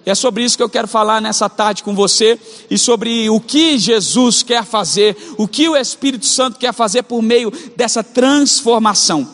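Young Brazilian male pastor, very high voice, fervent repetitive preaching, long hall reverb. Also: fairly bright tone. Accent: Brazilian Portuguese, mixed regional. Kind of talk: sermon. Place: church auditorium.

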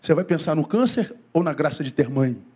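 A middle-aged male pastor preaching a sermon to a congregation in church, with wide swings of pitch and pace, asking the congregation questions. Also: expressive, a little fast, a little mellow, breathy edge.

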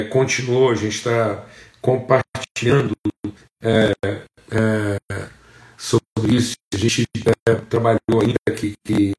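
A Brazilian pastor preaches at a deliberate, unhurried pace, leaning on repetition and sudden lifts in pitch for emphasis. His voice sits in an ordinary male register. The sound is roomy, with a clear echo around him. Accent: Brazilian Portuguese. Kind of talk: sermon.

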